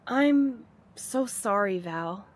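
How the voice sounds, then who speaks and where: A woman's voice: mid-range voice, expressive, very slow, heavy background noise. A woman playing an earnest, self-sacrificing postmaster in an audio drama. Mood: apologetic.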